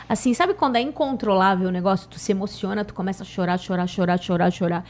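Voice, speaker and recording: A woman with a Brazilian Portuguese accent from Santos, telling a personal spiritual story in an animated, emotional way on a podcast. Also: medium pitch, fast. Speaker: podcast guest sharing a spiritual experience. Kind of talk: casual chat, storytelling.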